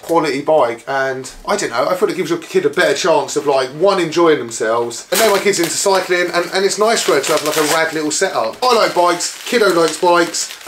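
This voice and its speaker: A hoarse man in his thirties chatting casually to camera about bikes in a small living room. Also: fairly high pitch, noisy background. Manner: chatty, upbeat, full of filler "like"s. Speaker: bike vlogger. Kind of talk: casual vlog chat to camera. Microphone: camera close up.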